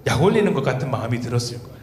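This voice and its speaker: A man's voice: mid-range voice, sing-song, very fast, crowd noise. A man giving a children's sermon in a church, storytelling and asking the kids questions. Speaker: children's pastor. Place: church hall. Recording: echoey hall, faint noise.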